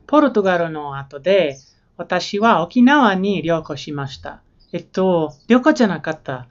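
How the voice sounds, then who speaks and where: Low-voiced American woman, dull recording. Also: sing-song. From United States. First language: English. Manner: plain, unhurried tour, naming household words one by one. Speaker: language learning vlogger. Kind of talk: casual home vlog. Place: her room and house.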